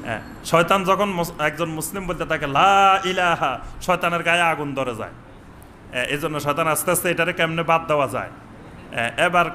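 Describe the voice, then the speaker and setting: Bright-voiced preacher man. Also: on the high side, slight background noise. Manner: chants Arabic phrases slowly, questions the audience. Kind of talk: sermon. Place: mosque with upper floor and veranda.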